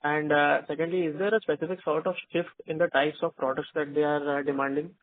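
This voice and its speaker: A man's voice: on the high side, level tone, fast talker. An Indian man calling in as an analyst to put questions on an earnings call. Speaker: analyst caller asking questions. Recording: narrow, muffled phone line.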